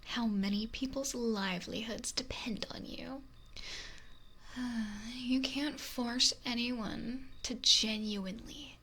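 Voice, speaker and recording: A woman voicing a possessive, lonely, wealthy female mafia boss in a whispery, breathy, domineering ASMR roleplay, close to the microphone. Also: fairly high pitch, takes it slowly, pushed and bright, full character voice. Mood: wistful, controlling. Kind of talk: intimate ASMR roleplay monologue. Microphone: close binaural microphone. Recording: noisy close binaural whisper recording.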